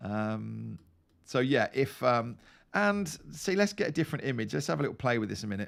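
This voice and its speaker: The recording is very clean, with a silent background. A man speaks with a British accent. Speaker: software trainer. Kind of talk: live stream tutorial.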